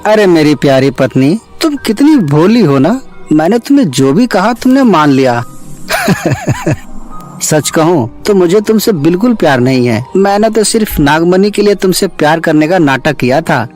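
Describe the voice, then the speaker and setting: Young storybook villain acted by a man: smug, mocking, swooping high-ish voice, music underneath. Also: huge pitch swings, unhurried, darkish tone, full character voice. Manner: mocking, theatrical.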